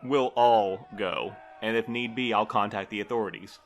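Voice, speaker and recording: A man's voice: on the low side, steady tone, moderate pace, a little hiss or hum, lightly acted. A man playing a harried, earnest station manager in an audio drama, formal and wordy in his delivery. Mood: concerned.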